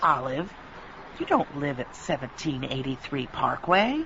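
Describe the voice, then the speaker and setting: An older woman speaking lively scripted dialogue in a language lesson. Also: a bass voice, unhurried. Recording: dull lo-fi recording with faint noise.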